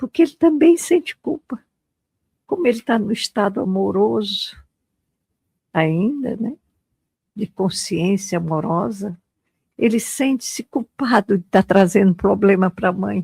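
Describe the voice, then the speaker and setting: A woman's medium-pitched, somewhat breathy voice with very wide pitch swings, a fairly slow pace and long, frequent pauses, in a dry, close sound with no echo. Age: 80s+. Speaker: therapist and spiritual teacher. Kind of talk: interview testimony.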